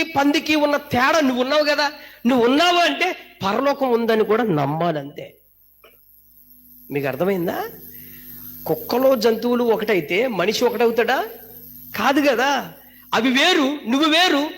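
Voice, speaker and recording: Male pastor, very high voice, fiery and scolding from the pulpit, acts out quoted voices. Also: a bit bright. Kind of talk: sermon.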